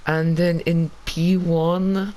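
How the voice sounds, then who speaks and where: Man, podcast co-host, slow deliberate talk, hesitant, lots of ums. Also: fairly high pitch, level tone, a little mellow, rough recording. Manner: halting, hesitant, pauses with ums. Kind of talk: casual podcast chat.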